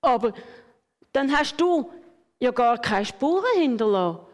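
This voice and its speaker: A woman's voice: a little high, sing-song, a little slow. A woman voicing a slim black pen who speaks in a matter-of-fact, lecturing way, with long hall reverb. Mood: sober. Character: slim black pen, know-it-all and pitying.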